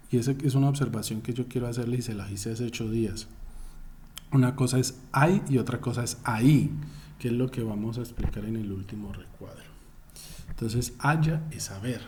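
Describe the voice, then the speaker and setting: A man's voice: medium pitch, a little hiss or hum. A man teaching a Spanish class, explaining spelling rules emphatically and spelling words out letter by letter.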